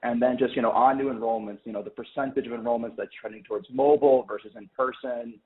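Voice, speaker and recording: A man's voice: medium pitch, fairly even intonation, fast, slight background noise. A man asking polite questions as a financial analyst on an earnings call. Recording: tinny phone-line caller.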